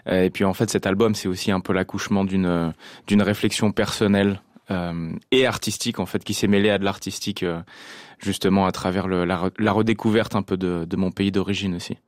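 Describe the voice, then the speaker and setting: A man's voice: sits low, fairly even intonation, brisk, no room sound, studio quality. A French-born man, a jazz musician, answering interview questions thoughtfully with many hesitations. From France.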